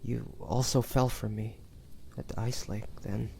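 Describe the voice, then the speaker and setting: A young hunter acted by a man speaks slowly and haltingly, with a gravelly creak in his voice. He is weary, vulnerable and tenderly devoted, as suits an intimate romantic audio drama. A faint hiss sits behind the voice. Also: on the low side, steady tone, mellow. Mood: hesitant, wondering. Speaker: amateur voice actor.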